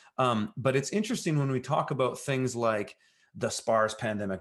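A man with a Canadian accent talks in a normal speaking voice against a quiet background. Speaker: podcast host, homesteader. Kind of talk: interview. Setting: live-streamed remote interview.

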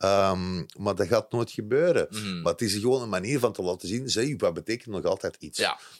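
At a fairly quick pace with hardly any pauses, a man with a plain, everyday voice speaks at a fairly low pitch with ordinary pitch variation. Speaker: stand-up comedian. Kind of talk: casual chat about films.

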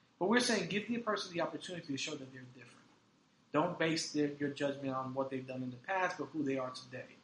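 In an American accent, a man talks at a very fast pace. His loudness swings widely. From New York. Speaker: reentry program director. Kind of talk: interview.

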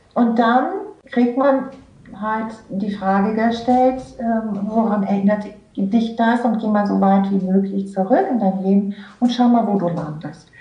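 A woman with a Dutch accent speaks at a fairly slow pace with long, frequent pauses and ordinary pitch variation, with noticeable background noise and audible room echo. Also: fairly high pitch for a woman. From Netherlands. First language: Dutch (speaking German). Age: 50s. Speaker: EFT trainer and therapist. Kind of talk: interview. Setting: phone call. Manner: hesitant, many fillers.

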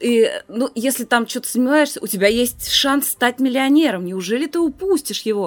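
A woman's high-pitched voice, lively in intonation, at a moderate pace with hardly any pauses. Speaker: podcast co-host. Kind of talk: casual chat.

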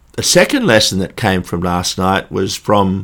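A man talks with an Australian accent. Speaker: community radio host. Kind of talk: radio commentary. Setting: studio.

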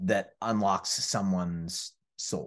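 A man with an American accent over a quiet background. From US West Coast, San Francisco Bay Area. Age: 40s. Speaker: author and coach for artists and pastors. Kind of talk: interview conversation. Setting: remote recording.

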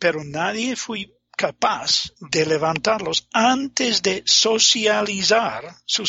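A man speaks with lively intonation in an English accent. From England. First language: English (speaking Spanish). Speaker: retired oil executive. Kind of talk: interview. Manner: halting.

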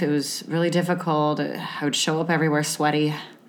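In a room with audible echo, a woman with an American accent talks at a fairly quick pace in a very deep, low pitch. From Northern California. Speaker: improv comedian and actress. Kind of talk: casual chat. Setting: video call.

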